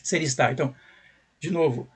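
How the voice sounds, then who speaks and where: A man's voice: fairly high pitch, brisk, husky. A man with a Brazilian Portuguese accent teaching English in a video lesson, speaking conversationally and asking frequent rhetorical questions with a tag "né".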